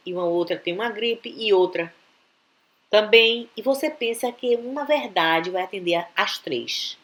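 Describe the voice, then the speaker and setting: A woman giving a calm, deliberate reading of a spiritual text, with long pauses between phrases. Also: medium pitch. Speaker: reader of spiritual teachings.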